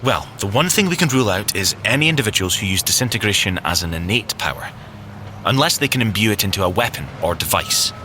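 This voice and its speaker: A man playing a wry, excitable young tech agent with a Scottish accent, bantering colloquially in an audio drama. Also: on the low side, fast talker, a little hiss or hum. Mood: pondering. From Scotland. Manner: joking, colloquial, expressive.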